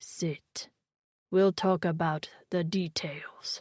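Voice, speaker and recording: In a put-on character voice, a woman growls at a very slow pace. Her pitch sits fairly low. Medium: read story. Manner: callous, curt.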